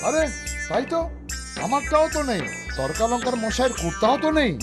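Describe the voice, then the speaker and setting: Eager comic village follower, music behind. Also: male voice, very high-pitched, sing-song, brisk. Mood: surprised. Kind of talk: Bengali cartoon voice acting.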